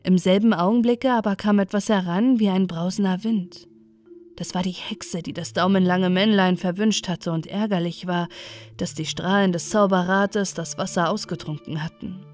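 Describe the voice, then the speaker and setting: A woman's voice: lowish voice, steady tone, moderate pace, a little mellow. A woman narrating a fairy tale as a bedtime storybook reading. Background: music.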